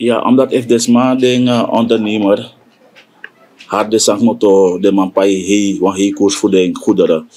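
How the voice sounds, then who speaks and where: A man talks in an ordinary speaking voice at a fairly low pitch. His pace is fairly slow and his intonation fairly even. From Suriname. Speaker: commentator on politics. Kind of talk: interview. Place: home room.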